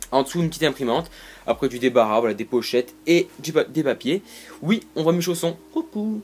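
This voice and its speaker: A man with a fairly high pitch talks at a fairly quick pace with lively intonation. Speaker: tech YouTuber. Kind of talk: casual room tour vlog. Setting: home bedroom, camera on tripod. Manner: halting, many fillers; relaxed, casual.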